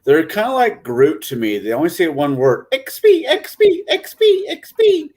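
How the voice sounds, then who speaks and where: A woman's voice: on the low side, wildly swooping pitch, moderate pace, darkish tone. A woman chatting casually and playfully as a panelist on a gaming show. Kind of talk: casual chat.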